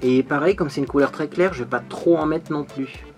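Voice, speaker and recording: With faint music in the background, a man in a slightly high voice and at a slightly fast pace hosts a makeup tutorial. The beauty vlogger chats in a bubbly manner, sprinkling his sentences with "hein."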